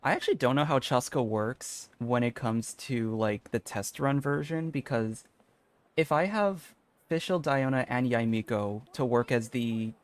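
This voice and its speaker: A man's voice: medium pitch, a little slow, dry recording. A man live streaming a video game, chatting casually and rambling as he thinks aloud. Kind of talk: casual gaming stream chat.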